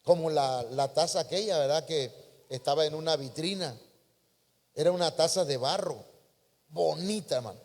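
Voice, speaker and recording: Folksy pastor in a reverberant hall. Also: male voice, on the high side, moderate pace. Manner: folksy, addresses listeners as brother. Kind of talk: sermon.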